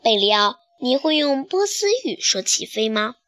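A woman's voice: high-pitched, big pitch swings, normal speed, a bit bright, no echo. A woman voicing a curious little farmyard chick asking questions.

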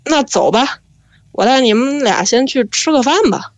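A woman voicing her kindly great-grandfather, who speaks in a calm, reassuring way. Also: sits high, moderate pace, no echo, voice pushed up. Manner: soothing, reassuring.

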